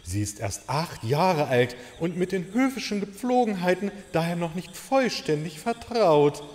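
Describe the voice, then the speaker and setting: A man's voice: sits high, big pitch swings, measured pace, darkish tone. An actor playing an indulgent ruler and doting father in an audio drama, polite, placating and used to giving orders. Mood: apologetic. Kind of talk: German audio drama acting. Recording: reverberant hall.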